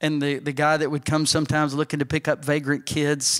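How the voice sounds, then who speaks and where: The tone is relaxed and the pace moderate. The background is quiet. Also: man. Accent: Georgia. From US South, Georgia. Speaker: teacher at a church. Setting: church hall with small in-person audience, filmed. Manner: plainspoken, earnest explanatory delivery with some repetition and self-correction; relaxed, folksy and chatty, with frequent chuckles and asides. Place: church. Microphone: handheld.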